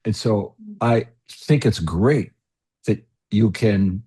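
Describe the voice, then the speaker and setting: Brief: deep-voiced man, husky and mellow, measured speaker at a meeting. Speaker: commission member. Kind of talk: public meeting discussion.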